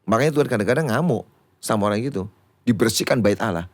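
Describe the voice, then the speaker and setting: A man, a pastor teaching in a lively conversational way who acts out quoted voices. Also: lowish voice, fast, dry recording. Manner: animated, acts out quoted voices, repeats words when excited. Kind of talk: conversational teaching on a church talk show.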